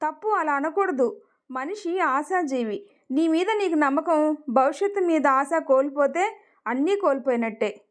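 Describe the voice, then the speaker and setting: A woman reading the lines of a gentle middle-aged mother who softly soothes and reassures her sick daughter. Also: high-pitched, expressive, unhurried. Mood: soothing.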